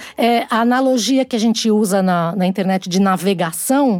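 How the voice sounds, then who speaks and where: The speaker is a woman. Her recording is very clean, with a silent background. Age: 60s. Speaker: screenwriter and writer. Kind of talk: casual chat.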